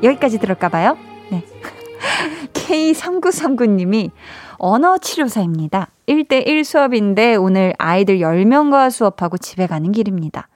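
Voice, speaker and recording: A young woman hosting an evening radio show, chatting warmly and reading out listener messages with encouraging words. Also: mid-range voice, animated, moderate pace, soft background music. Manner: warm encouraging, cheers listeners on. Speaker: radio host. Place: radio studio. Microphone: studio microphone.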